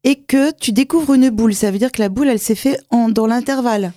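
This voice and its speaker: A woman's voice: on the high side, a little fast, mellow, dry recording, clean studio sound. A woman hosting an interview, enthusiastic and exclamatory in her questions. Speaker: host.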